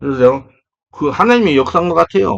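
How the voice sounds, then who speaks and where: A man at a medium pitch, fairly quick pace, and very wide pitch swings. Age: 70s. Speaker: pastor. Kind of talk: sermon. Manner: halting, many fillers and restarts.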